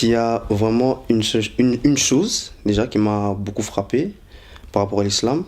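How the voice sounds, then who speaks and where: Young man, lowish voice, halting unscripted testimony. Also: darkish tone. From Congo, raised in Brussels. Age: 20s. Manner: hesitant, many fillers and restarts. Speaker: interviewee.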